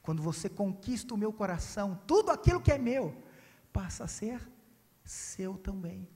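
A man's voice: sits high, big pitch swings. A pastor voicing a tender whispering king. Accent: Brazilian. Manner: soft, slow, dropping to a whisper. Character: gentle loving old king, fatherly and tender. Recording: reverberant church hall.

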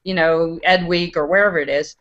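A woman's voice: on the low side, steady tone, a bit bright. Young woman on a dull lo-fi call. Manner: hurried, stammering restarts. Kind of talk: video call discussion.

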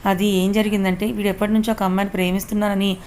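A good-natured young man recounts a story to his friends in a teasing, chatty way, as a woman reads his part. The pitch stays mid-range and fairly level, and a faint hiss runs underneath. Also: flat delivery, very fast, darkish tone, natural voice. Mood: amused.

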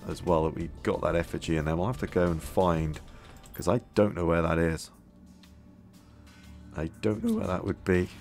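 Hoarse deep-voiced man gaming. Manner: relaxed, musing aloud, many fillers. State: hoarse, losing his voice. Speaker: gameplay video host. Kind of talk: casual gameplay commentary.

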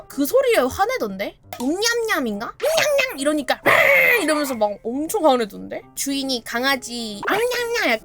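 High, giggly young woman streamer. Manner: playful and giggly, reacting to chat. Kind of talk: casual live-stream chat. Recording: background music under the voice.

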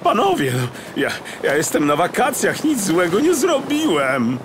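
Man doing a flustered, excitable detective. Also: high-pitched, a little slow, noisy background, pitched above the performer's own voice, heavily acted. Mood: panicked. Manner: stammering, protesting. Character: jumpy male detective, indignant and flustered. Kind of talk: audiobook character voice.

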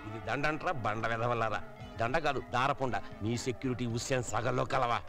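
An actor playing a vain, boastful minister who loves pomp and bosses people around, in a film comedy. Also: male voice, mid-range voice, steady tone, fast talker, music in the background, natural voice. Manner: boastful, bossy, mocking. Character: vain showy male minister, loud and boastful.

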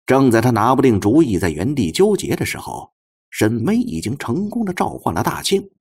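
A man's voice: medium pitch, very animated, normal speed, darkish tone, slightly rough. A man narrating a scripted audiobook story as a storyteller.

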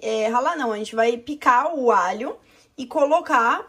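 Chatty high-voiced young woman host. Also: normal speed, fairly bright tone, slightly rough. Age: young adult. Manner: chatty, with filler "tá?" tags. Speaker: cooking show host. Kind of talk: casual cooking demo. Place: home kitchen and living room, indoors.

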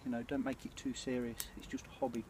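Man in his forties, British accent, casual reflective vlog, hesitant, medium pitch, outdoor campfire noise. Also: little pitch movement, fast. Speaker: bushcraft vlogger. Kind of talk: casual reflective chat to camera. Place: outdoors at night by a small campfire.

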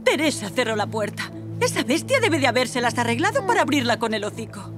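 A woman's voice: on the high side, very animated, fast, over music. A woman voicing a worried, indignant villager in a cartoon dub. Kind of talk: animated series dubbing.

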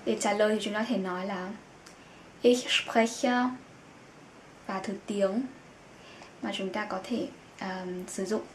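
A young woman teaching German to learners, explaining things and repeating each word slowly. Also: mid-range voice, level tone. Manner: explains in Vietnamese, says German words slowly and repeats them. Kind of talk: language lesson for Vietnamese learners. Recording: echoey room with faint background noise.

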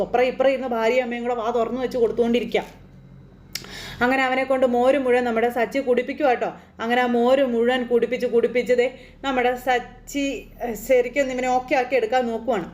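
A woman from Kerala, India, retelling a TV serial episode in a chatty, animated way. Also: on the high side, fast. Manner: animated, chatty, tag questions. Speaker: serial recap narrator. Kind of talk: casual plot retelling.

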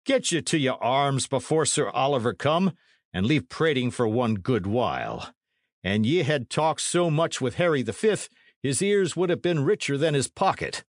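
A man doing a gruff, uneasy old retainer. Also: medium pitch, very animated, normal speed, no room sound, clean studio sound, voice pushed up, natural voice. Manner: old-fashioned, brusque speech. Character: middle-aged male retainer, gruff and uneasy. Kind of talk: audiobook character voice.

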